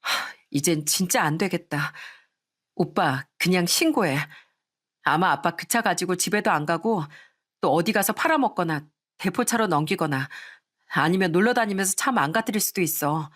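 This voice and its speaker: A woman's voice: on the low side, expressive, normal speed, fairly bright tone. A woman voicing a young bride-to-be who firmly urges her fiancé in a radio story. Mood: urgent. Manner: firm, urging. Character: young bride-to-be, cold and urgent.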